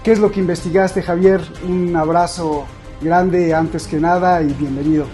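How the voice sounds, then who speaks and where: High-pitched male host, mellow tone. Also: fairly even intonation, normal speed, faint music behind. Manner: asks a long run of rhetorical questions. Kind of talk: news analysis interview.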